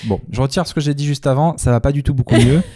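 A man's voice: mid-range voice, fast, warm tone, no echo, clean studio sound. A man co-hosting a couple's show in casual chat, playful and talking straight to his listeners. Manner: playful, addresses the audience directly.

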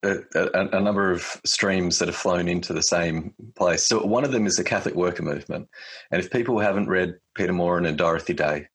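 Guest: man, 40s, very low husky voice, rambling and reflective, lots of ums and self-corrections. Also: a little fast, fairly bright tone. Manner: reflective, many fillers and restarts. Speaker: podcast guest. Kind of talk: casual conversation.

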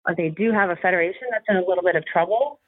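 A woman's voice: on the low side, rapid-fire, slightly rough, no room sound. Woman, chatty, over a tinny phone line. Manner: rambling, many fillers and restarts. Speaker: soccer coach and Spanish-language commentator. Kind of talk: casual podcast interview.

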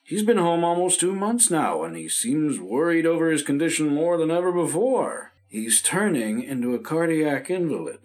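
Casting: an actor as a no-nonsense doctor, higher voice with lively inflection, vintage radio drama. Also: male voice, moderate pace, few pauses, natural voice. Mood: reassuring. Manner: reassuring, matter-of-fact. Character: calm family doctor. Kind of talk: 1950s radio drama acting.

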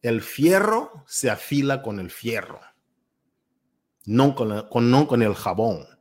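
A man's voice: mid-range voice, animated, slow pace, darkish tone. A man, likely in his thirties, giving an emphatic motivational talk as a coach, speaking straight to his listeners and repeating his points. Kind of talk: motivational talk to a live audience.

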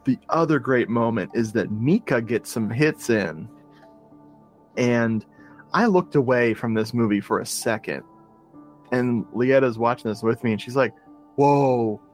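A man's voice: medium pitch, a little slow, faint music behind. A man co-hosting a podcast in casual chat about movies, talking enthusiastically with frequent restarts and fillers. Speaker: podcast co-host.

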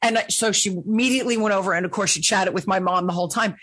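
A woman's voice: medium pitch, quick pace, slightly rough. A woman in her late fifties with a New Jersey accent, hosting a casual interview chat and telling stories with goofy humor. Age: 50s. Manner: animated storyteller, goofy humor. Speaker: podcast host.

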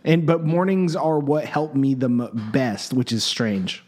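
A man's voice: mid-range voice, steady tone, measured pace, crowd noise. A man co-hosting a podcast in a loose, chatty way, speaking into a microphone in an echoey office room. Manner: loose, chatty, self-correcting talk. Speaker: podcast co-host. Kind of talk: casual podcast chat. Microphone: desk microphone.

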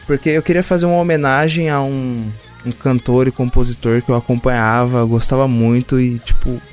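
A man co-hosting a podcast, chatting in quick, slangy banter. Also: mid-range voice, fairly even intonation, darkish tone, soft background music. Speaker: podcast co-host. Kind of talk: casual podcast chat.

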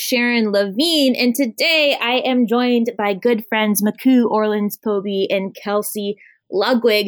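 A woman hosting a casual radio talk show, upbeat and quick, laughing often with her guests. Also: fairly high pitch, no room sound. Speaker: host.

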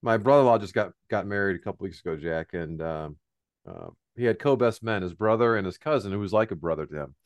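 A man with a lowish, expressive voice talks fast as co-host of a business podcast, with no room sound. He rambles casually through stories and advice, often repeating his cohost's name.

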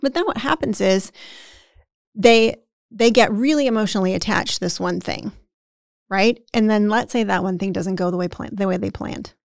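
In a studio recording free of room sound, a woman with a creaky mid-range voice co-hosts a podcast at normal speed. She keeps things conversational and chatty, frequently adding "right?" and acting out what the people she describes say to themselves.

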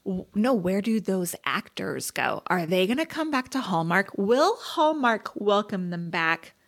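A woman co-hosts a relaxed podcast chat, her pitch swinging up and down as she talks. She is chatty and expressive and keeps asking questions. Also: a little slow. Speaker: podcast co-host. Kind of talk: casual chat.

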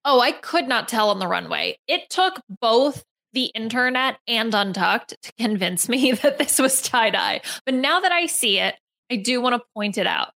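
A woman's voice: a little high, animated, moderate pace, vocal fry, sharp tone. A woman co-hosting a casual chat about a TV show, leading the segment with a giggly, hedging manner. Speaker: podcast co-host.

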